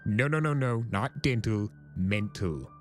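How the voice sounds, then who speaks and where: A man's voice: on the low side, animated, measured pace, faint music behind, voice pushed up. Man voicing a cranky, theatrical old chaos creature. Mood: stubborn. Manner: exasperated, melodramatic, swooping emphasis.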